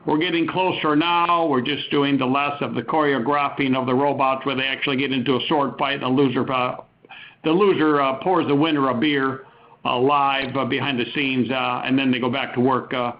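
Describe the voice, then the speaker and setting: A man answering as a company executive on an earnings call, speaking off the cuff and often pausing mid-sentence. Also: mid-range voice, steady tone. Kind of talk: unscripted business answers. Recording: dull, lo-fi conference call audio.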